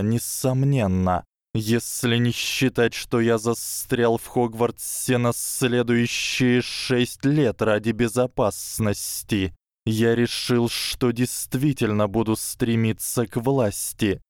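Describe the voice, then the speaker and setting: A man voicing a guarded, clever young boy who speaks in a measured, questioning way in an audiobook. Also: medium pitch, clean tone, no echo, studio quality, voice pushed up, close to an everyday voice. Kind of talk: audiobook character voice.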